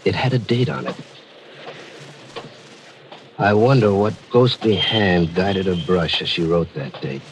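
A man's voice: deep voice, measured pace, long pauses. A man playing a brooding, haunted husband in a 1940s radio drama, speaking in a pensive, ominous way. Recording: noisy vintage radio recording.

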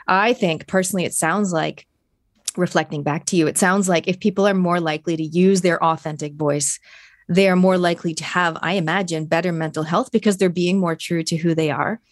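A woman's voice: on the low side, steady tone, fairly quick, no room sound, studio quality. A woman hosting a radio interview, friendly and inviting listeners to send in messages. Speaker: radio show host.

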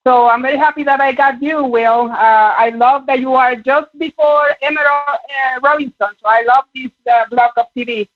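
Puerto Rican-accented woman caller, high voice, halting and earnest, dull phone audio. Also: fairly even intonation, no room sound. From Puerto Rico. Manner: earnest, halting, many fillers. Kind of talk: call-in chat.

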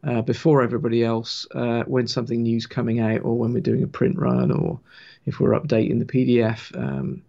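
Creaky-voiced man with a gentle Wiltshire accent. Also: medium pitch, a little fast, muffled recording. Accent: Wiltshire, English West Country. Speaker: guest author of a railway engineering book. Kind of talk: casual technical explanation on a livestream.

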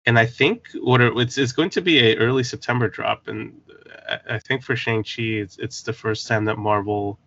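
A man's voice: lowish voice, fairly bright tone. A man co-hosting a pop culture podcast in casual chat, joking and rambling. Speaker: podcast co-host. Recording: dull lo-fi dry sound.

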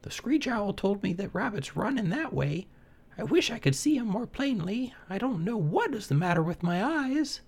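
A man voicing a small, curious, stubborn young male bat in a storybook, speaking eagerly in a very high voice. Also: sing-song, normal speed, husky, full character voice. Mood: wondering.

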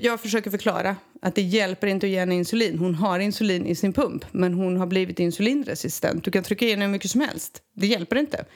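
Swedish woman recounting a tense story. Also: mid-range voice. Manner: animated storytelling, acting out quoted people. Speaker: guest telling a personal story. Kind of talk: casual conversation.

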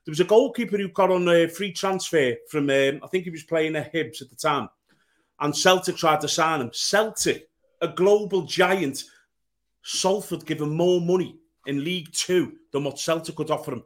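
Male podcast panellist, high-voiced, emphatic and insistent, debating sport with repetition for weight. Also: moderate pace. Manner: insistent, emphatic, repeats key points.

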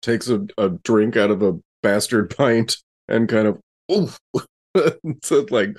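A man playing a tabletop roleplaying game, casually narrating what his character does in halting, improvised phrases. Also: on the low side, darkish tone.

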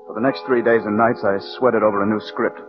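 A man's voice: on the low side, fairly even intonation, brisk, music in the background, close to an everyday voice. An actor playing an earnest young male radio writer who sometimes stammers, narrating and talking in 1940s radio acting style. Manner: earnest, slightly hesitant, stammers. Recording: muffled old radio broadcast.

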